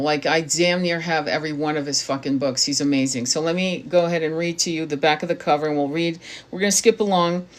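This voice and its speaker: A woman hosting her own channel, reading aloud from a book and breaking off into blunt, casual commentary with frequent swearing and stumbles. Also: low voice. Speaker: tarot reader and spiritual channel host.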